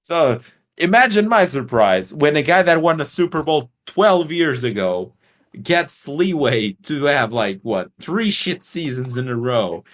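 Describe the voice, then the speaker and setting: This sports podcast co-host hails from Portugal and speaks a little slowly in a slightly high voice with big swings in pitch. The show is casual, and he is blunt, profane, and given to rambling explanations.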